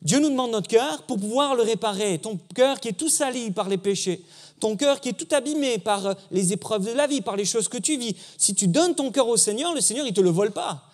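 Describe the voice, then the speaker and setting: Man, guest preacher, church sermon, conversational, high voice. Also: animated, fairly quick, darkish tone. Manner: conversational, engaging the congregation.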